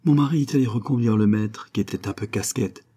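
A man reading aloud voices a calm young gypsy woman who works at a fairground, speaking plainly and earnestly. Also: on the low side, fairly quick, slightly rough.

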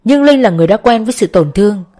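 A woman with a mid-range voice narrates a novel for an audiobook. She talks fast but keeps a steady storytelling manner.

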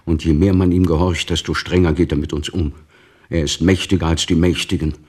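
An actor in a radio play voicing an old Jewish teacher, despairing, bitter and defiant toward God, with a gravelly, husky voice. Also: male voice, deep voice, level tone, brisk, a little mellow. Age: 60s or older.

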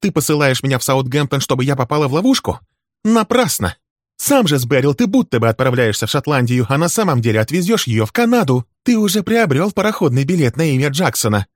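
Man doing a high shrill angry woman, accusing, shouting, storybook villainess, dry close sound. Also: fairly quick, breathy edge, dry recording, natural voice. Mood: furious. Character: furious scorned woman, accomplice wife. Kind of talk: dramatic audiobook reading.

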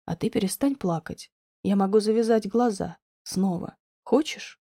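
A young man with a gentle, coaxing voice, dropped well below the reader's own and kept hushed, as a woman reads him in an audiobook. He sounds mellow and close, with a dry, intimate tone. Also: normal speed, slightly rough, no room sound. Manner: soft, low and coaxing. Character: tender, insistent young man.

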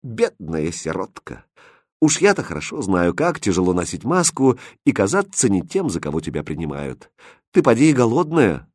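Man playing a mocking court jester from a storybook, husky, voice swinging widely. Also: lowish voice, sing-song, normal speed, darkish tone, no room sound, studio quality. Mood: playful. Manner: teasing, playful.

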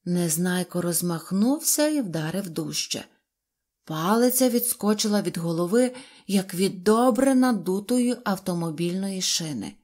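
A woman narrating a children's tale in an even, clear storytelling voice. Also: mid-range voice, unhurried.

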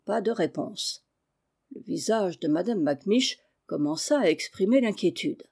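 A woman narrating a classic children's novel aloud in an even, measured way. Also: medium pitch, gravelly, husky. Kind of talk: audiobook reading.

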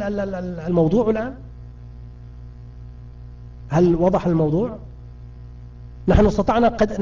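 High-voiced grammar teacher, muffled and distant. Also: male voice, warm tone. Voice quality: frequent self-restarts and repeated words. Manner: patient, keeps quizzing students. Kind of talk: live online grammar lesson.

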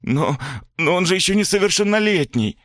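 A man's voice: lively intonation, normal speed, a bit bright. A man voicing a timid, tearful mother who meekly pleads for her son. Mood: pleading. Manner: weak, pleading, raised pitch.

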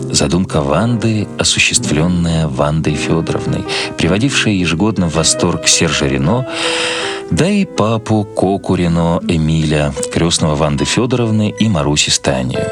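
A man reading literary prose as a scripted narration, in a measured, expressive storytelling manner. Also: low voice. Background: music.

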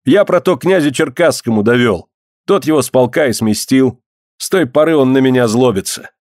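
A man voicing a meek accused healer who speaks softly and pleads his innocence in an audiobook. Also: mid-range voice, expressive, normal speed, dry recording, clean studio sound, voice pushed up, close to an everyday voice. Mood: pleading. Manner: soft, subdued, pleading. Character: quiet accused male healer, meek and denying.

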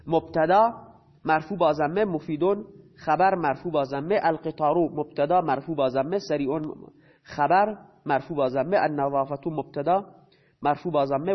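High-voiced man teaching a grammar lesson. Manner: poses questions and answers them himself; repeats key terms slowly. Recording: dull lo-fi recording.

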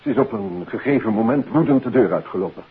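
A man's voice: mid-range voice, sing-song, fast talker, creaky. An actor playing an uneasy, formal male suspect in a 1950s Dutch radio play, hesitant and defensive. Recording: tinny, hissy old radio recording.

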